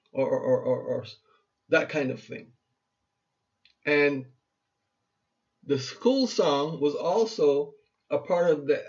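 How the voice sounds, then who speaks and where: Earnest Barbadian man in his fifties. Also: a little high. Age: 50s. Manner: earnest, exhorting, repeats himself for emphasis. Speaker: motivational speaker and radio host. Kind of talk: motivational talk. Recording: muffled lo-fi recording.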